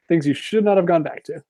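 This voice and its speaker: A man co-hosting a casual commentary chat, relaxed and wry, laughing often. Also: on the high side, dry recording. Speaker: podcast co-host.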